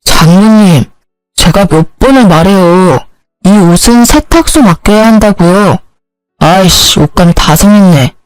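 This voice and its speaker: A woman's voice: mid-range voice, lively intonation, a little slow, darkish tone, no room sound, soft background music, natural voice, rough recording. A woman voicing a rude, entitled young husband who speaks in curt, demanding orders.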